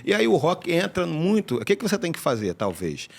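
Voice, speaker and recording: A man's voice: on the high side, wildly swooping pitch, a little fast, creaky. A Brazilian man on a casual comedy podcast, telling stories with animation and acting out quotes in put-on voices. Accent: Brazilian Portuguese. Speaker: podcast host.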